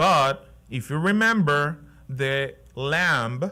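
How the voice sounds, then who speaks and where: A man with a non-native accent speaks very slowly, his pitch fairly high. The pitch moves in an ordinary way. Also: very clean recording, silent background. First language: not English. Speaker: Bible study teacher. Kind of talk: Bible study teaching. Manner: halting.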